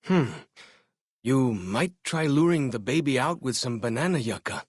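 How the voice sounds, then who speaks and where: A young tribal scout from a video game, earnest and loyal, with a slightly unclear, dry-recorded voice at a middle pitch. He speaks plainly in short, measured phrases, like someone recounting his people's history. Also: animated, breathy edge, no room sound. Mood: friendly. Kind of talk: video game character dialogue.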